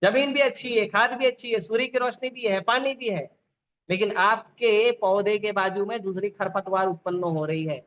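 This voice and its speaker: A man's voice: sits high, normal speed, lo-fi sound. A man giving a lecture on scripture, asking the audience rhetorical questions and repeating lists of examples. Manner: repetitive listing. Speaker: preacher. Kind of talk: Gita lecture.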